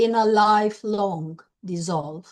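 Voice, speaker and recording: A woman with a fairly high pitch speaks in a Romanian accent, her pitch varying in an ordinary way. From Romania (Bucharest). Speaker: poet. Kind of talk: poetry reading.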